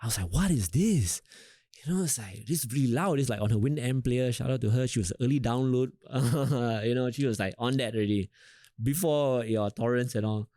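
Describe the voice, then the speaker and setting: In a clean studio recording with no room sound, a young adult rapper from Singapore talks in an interview with a Singaporean English accent. He speaks at normal speed with a medium-pitched voice. His manner is laid-back and rambling, packed with fillers.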